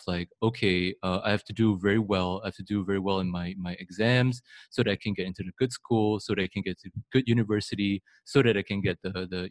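A man talks as a podcast guest, rambling and often restarting his sentences. His voice is fairly low, and the recording is dry and close. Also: dry recording. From Singapore. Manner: rambling, many fillers and restarts. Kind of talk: casual interview.

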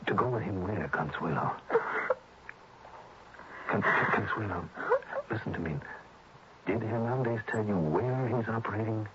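Brief: actor doing a tough, wry investigator, low voice, brisk and insistent, old radio drama with hiss. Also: male voice, dull audio, lightly acted. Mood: pleading. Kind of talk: 1960s radio drama acting.

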